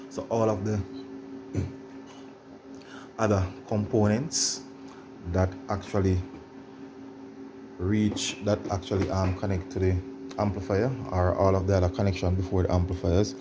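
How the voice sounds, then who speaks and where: A low-pitched male presenter walks viewers through an informal demonstration. He explains haltingly and repeats himself as he goes, speaking straight to the audience. Music is clearly audible behind his voice. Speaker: tutorial presenter.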